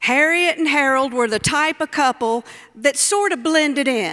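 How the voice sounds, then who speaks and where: Against a quiet background, a woman speaks fairly slowly in a raised, projected voice, her tone bright and sharp and her intonation lively. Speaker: keynote speaker. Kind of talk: comedic storytelling performance. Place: stage. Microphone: handheld.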